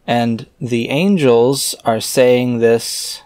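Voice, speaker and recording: A man's voice: medium pitch, steady tone, drawn-out words, darkish tone, no room sound. A man reading scripture aloud and breaking off for offhand, wry, skeptical comments, sometimes muttering as he thinks aloud. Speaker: reader and commentator.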